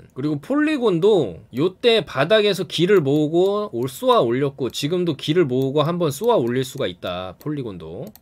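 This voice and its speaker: A man's fairly high voice with very wide pitch swings, a moderate pace and hardly any pauses. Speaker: crypto market analyst. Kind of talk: market commentary.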